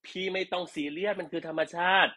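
Bright-voiced man teasing on a sales live stream. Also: fairly high pitch, steady tone, quick pace. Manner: joking, teasing, chatty. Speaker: live-stream product seller.

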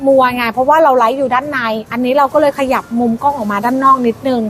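Female live seller, high voice, insistent hype with repeated selling lines, slight background noise. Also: steady tone, fast, fairly bright tone. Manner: insistent, repeats phrases emphatically. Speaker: live-stream clothing seller. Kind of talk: fast hype live-sale pitch, casual. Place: shop front, camera moved toward outside.

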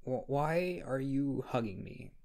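A man playing a shy, flustered, insecure young scriptwriter in an intimate ASMR roleplay, speaking hesitantly with a husky, creaky voice. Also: medium pitch, animated, darkish tone. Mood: confused, needy. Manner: hesitant, halting. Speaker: audio roleplay performer. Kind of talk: ASMR roleplay, intimate one-sided dialogue.

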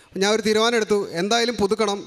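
A young man from Kerala giving an earnest, rushed personal religious testimony, often restarting his sentences. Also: sits high, flat delivery, fairly bright tone. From Kerala, India. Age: young adult. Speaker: testimony giver.

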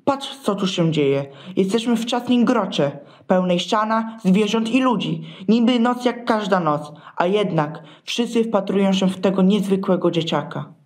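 A chatty onlooker in a Christmas audio play, full of wonder, played by a woman. The voice sits at an average pitch for a woman. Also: expressive, moderate pace, few pauses, a little mellow, close to an everyday voice. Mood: amused wonder. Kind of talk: amateur Christmas nativity audio play acting.

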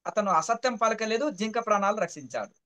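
A man's voice: high-pitched, expressive, fairly quick, pushed and bright. A man, a spiritual teacher who explains his points patiently through a parable, repeating phrases and checking that the listener understands.

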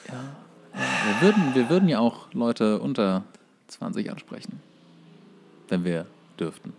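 Male podcast co-host, medium pitch with lively melody, tongue-in-cheek casual banter. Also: unhurried, creaky, noisy background.

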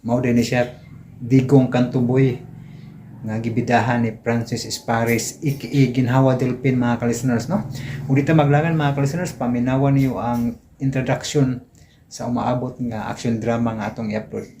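A Cebuano-accented man hosts a casual vlog in an average-pitched voice. He talks informally and repetitively, often ending phrases with a checking tag. There is a slight background noise in the amateur recording. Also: fairly even intonation, normal speed, mellow. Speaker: vlog host introducing radio dramas.

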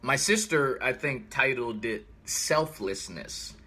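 An American man in his thirties chatting casually on a livestream, thinking out loud and telling stories with animated, emphatic repetition. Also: medium pitch, takes it slowly, slightly rough. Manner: animated storytelling, repeats himself for emphasis. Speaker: vlogger. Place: small room indoors.

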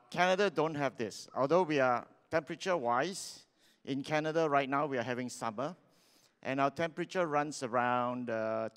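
A middle-aged Singaporean man speaks into a handheld mic on a stage, his voice smooth and resonant. He chats with the crowd and throws questions at them. A long reverb trails behind each phrase. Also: mid-range voice. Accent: Singaporean English. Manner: chatty, asks the audience questions. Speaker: seminar speaker. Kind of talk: lively sales seminar talk. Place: large hall on stage.

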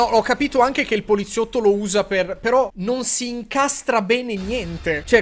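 A young man in his twenties giving casual, incredulous and sarcastic commentary on gameplay. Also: high voice. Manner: incredulous, sarcastic, animated reactions. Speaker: gaming streamer. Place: indoor room at a streaming setup.

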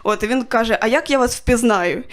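A young woman performing a stand-up set, telling stories in a dry way with quick voiced asides. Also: a little high. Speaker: stand-up comedian. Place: stage of a small comedy club.

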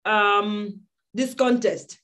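A woman's voice: mid-range voice, fairly even intonation, drawn-out words, fairly bright tone. A Nigerian-accented woman coaching an online acting class, giving commanding instructions and repeating her orders. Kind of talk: directing students in an online audition class. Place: indoor room, on a video call. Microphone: video call microphone.

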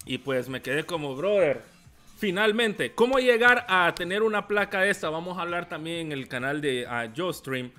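Young Salvadoran male streamer, high bright voice, casual chat-reading delivery, faint music in the background. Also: normal speed. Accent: Salvadoran Spanish. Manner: casual, reads chat messages aloud, laughs often. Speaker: tech YouTuber. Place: small room indoors.

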